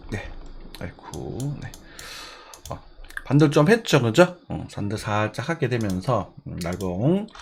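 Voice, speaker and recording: Over noticeable background noise, a man talks at a very slow pace with long, frequent pauses and big swings in loudness. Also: medium pitch for a man. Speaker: market analyst. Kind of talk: market commentary. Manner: slurred articulation; hesitant, many fillers.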